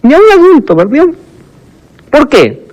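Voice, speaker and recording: A man delivering a sermon as pastor, his voice pitched high and ranging widely as he preaches. He talks with animation and slips into the voices of the people in his stories. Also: wildly swooping pitch, unhurried, a little mellow, poor audio.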